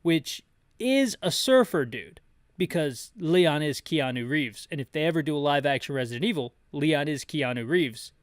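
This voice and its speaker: A man's voice: a little high, lively intonation, moderate pace, no echo, studio quality. A man giving casual, rambling gameplay commentary with sarcastic, nitpicking asides. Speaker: video game playthrough host and narrator.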